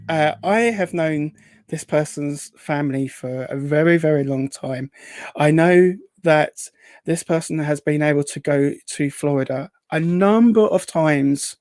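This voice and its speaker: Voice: mid-range voice, darkish tone, no echo. A host chatting casually on a live show, rambling and hesitant, reading out comments in an upbeat way. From Essex, England.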